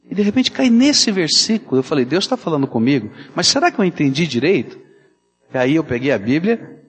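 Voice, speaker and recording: A Brazilian pastor preaching with animated storytelling, slipping into the voices of the people in his stories. His voice sits a bit high for a man. It rings out with a long reverb in a church hall. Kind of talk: sermon.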